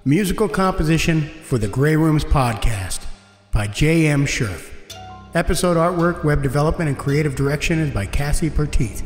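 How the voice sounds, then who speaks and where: A man's voice: a little high, animated, normal speed. A man presenting a podcast, reading scripted credits and announcements to listeners. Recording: echoey, reverberant, soft music underneath.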